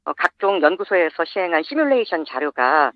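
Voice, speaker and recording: Anonymous guest w/ voice changer disguise, quick steady talk, dry muffled sound. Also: medium pitch, dry recording. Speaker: interview guest, anonymous investigator. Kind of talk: explaining findings in a broadcast interview.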